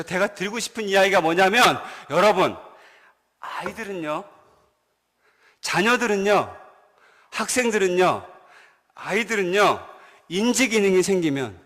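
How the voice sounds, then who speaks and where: A man's voice: high voice, fast, few pauses, bright, forceful tone, long reverb tail. A man who is a pastor, preaching a sermon in a church, telling a family story and putting questions to the congregation. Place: church sanctuary.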